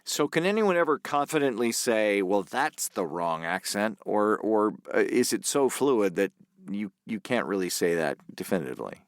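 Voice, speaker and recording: A man's voice: lowish voice, big pitch swings, moderate pace, no room sound, studio quality. A man, co-hosting a casual interview, reacting playfully and making wry asides.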